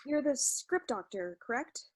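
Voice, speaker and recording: A woman's voice: high voice, animated, measured pace. A woman playing a timid, distressed playwright in a comedic staged reading, hesitant and pleading. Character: distressed, timid female playwright, desperate and devoted.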